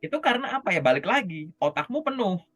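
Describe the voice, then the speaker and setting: A man coaching job interview skills in a casual, lively session over a video call, often checking in with his listener. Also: high-pitched, fast, faint music behind. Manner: lively, chatty, often checks in with "oke?" and "gitu".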